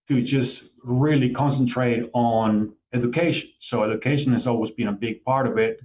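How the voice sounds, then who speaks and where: A middle-aged man, speaking as an interview guest. His voice sits at an ordinary middle pitch, and he tells his story in an earnest, reflective, explanatory way. The sound is a little dull and lo-fi. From Venezuela.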